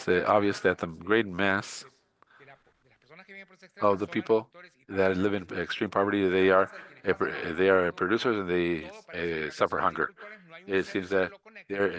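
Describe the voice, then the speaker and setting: A low-sitting, fairly bright male voice belongs to a Costa Rican conference speaker presenting in English as a second language. His delivery is hesitant, riddled with filler sounds and restarts.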